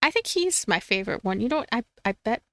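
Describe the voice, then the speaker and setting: A woman reading a visual novel aloud as a let's play streamer, expressive and playful, with commentary. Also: on the high side, fast talker, dry recording, studio quality. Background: game music.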